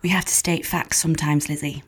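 Woman acting sensible young female companion, low slightly husky voice, frank, measured, story drama. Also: steady tone. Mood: serious, frank.

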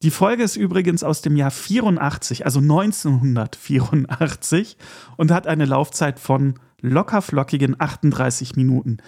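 A man's voice: a little high, moderate pace, vocal fry, darkish tone. A man hosting a casual podcast, talking in a chatty, enthusiastic way with asides and small laughs. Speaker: podcast host.

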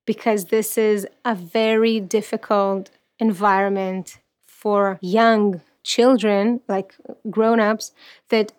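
A woman's voice: mid-range voice, level tone, slow pace. A woman in her thirties from Ukraine, whose first language is Russian, talking earnestly and reflectively about her life as an interview guest and reciting a poem, with frequent restarts. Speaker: guest, activist and poet. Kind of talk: personal interview talk and poetry recital.

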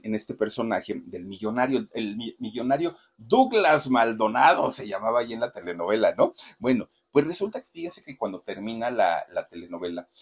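Husky, chatty storyteller man. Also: on the low side, a little mellow. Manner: chatty, dramatic, addresses viewers directly. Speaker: host. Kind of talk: gossip storytelling.

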